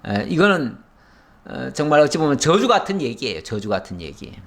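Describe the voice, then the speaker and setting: Male pastor, expository sermon; high, expressive delivery that acts out the dialogue. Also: normal speed. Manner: animated storytelling, acts out dialogue with rising pitch; drops voice low and soft at sentence ends.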